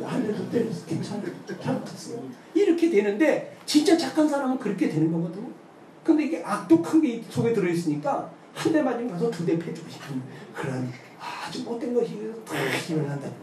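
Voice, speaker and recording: A man preaches with a high but mellow voice, telling stories and acting out the people in them. He keeps turning to the congregation with quick asides. He is heard from a distance in an echoey church hall with faint noise behind him. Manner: lively storytelling, acts out quoted voices, frequent "응?" asides. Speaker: pastor. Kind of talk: sermon.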